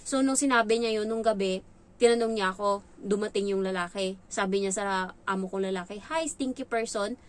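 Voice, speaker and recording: A woman vlogging in a casual storytelling way about her work as a domestic helper, animated and quick to act out what others said. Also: clean tone. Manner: animated, acts out quoted lines in a higher voice. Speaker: domestic helper telling stories about her employers' child.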